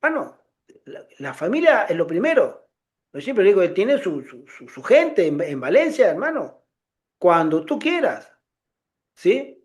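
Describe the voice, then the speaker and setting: A middle-aged man speaks to a congregation in an informal, testimony-like way. His voice sits high for a man, and he tells the story with animation, acting out the voices of the people in it. It sounds like a lay ministry talk rather than a prepared sermon. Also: sing-song, a little slow, pauses often, darkish tone.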